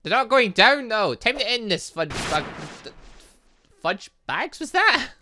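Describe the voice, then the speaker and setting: A gaming video host giving excitable, rambling let's play commentary, often breaking off mid-sentence with mild exasperation. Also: medium pitch, a little slow, slight background noise.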